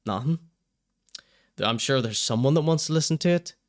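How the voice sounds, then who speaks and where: Reading chat comments on his live stream, a young Northern Irish host gives his opinions bluntly and wryly. His voice is mid-range and moves at a moderate pace, and he swears casually while laughing at his own jokes.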